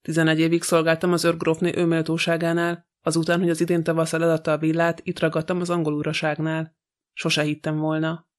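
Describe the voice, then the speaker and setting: A man's voice: fairly high pitch, completely flat delivery, lightly acted. A man reading an audiobook, voicing a sly, gossipy old female housekeeper who talks with scorn. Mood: grumbling. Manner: grumbling, scornful.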